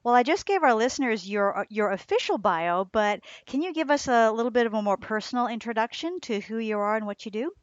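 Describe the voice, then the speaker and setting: A woman's voice: a little high, animated, dry recording, muffled recording. A woman hosting a podcast, reading an intro and guest bio, then interviewing with frequent murmured backchannels. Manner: brisk, reads bios smoothly, many backchannel hums. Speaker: podcast host.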